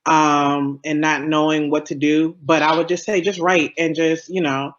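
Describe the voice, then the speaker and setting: A man giving casual, encouraging advice as a creator on a panel, in a halting way. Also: on the high side, flat delivery, fairly bright tone, dull audio, a little hiss or hum. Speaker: audio drama creator on a panel.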